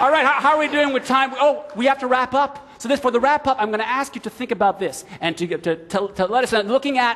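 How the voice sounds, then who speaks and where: Against crowd noise in the background, a man with an American accent uses a raised, projected voice at an extremely high pitch, with an animated tone, lively intonation and a moderate pace. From Finland. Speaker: panel moderator. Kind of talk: panel discussion. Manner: animated, repeats words often.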